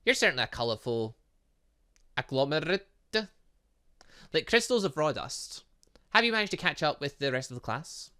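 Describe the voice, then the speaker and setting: A man's voice: a little high, sing-song, moderate pace, pauses often, pushed and bright, clear, resonant tone. A man voicing an eccentric, teasing female science professor who talks in formal, flowery phrases. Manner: flowery, formal phrasing full of odd metaphors.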